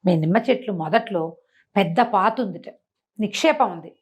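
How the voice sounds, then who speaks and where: A woman's voice: medium pitch, expressive, normal speed, husky. Woman as an earnest young village man. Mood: reassuring.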